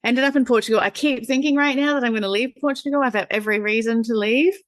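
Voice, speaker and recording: A woman's voice: fairly high pitch, fast talker, dry recording, studio quality. A woman, a guest chatting casually, rambling and laughing, with lots of fillers and the odd swear. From New Zealand. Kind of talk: casual conversational interview.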